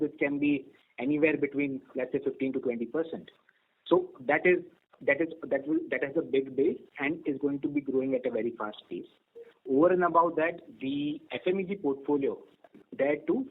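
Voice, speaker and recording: A man with an Indian accent answering questions as a company executive on an earnings call, in a measured, hesitant, formal manner. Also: medium pitch, gravelly, husky. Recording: narrow tinny conference phone line.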